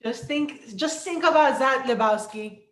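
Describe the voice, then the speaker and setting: A woman's voice: high voice, a little slow. Woman as a dim nihilist henchman, echoey. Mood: threatening. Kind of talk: amateur virtual table read. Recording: echoey room.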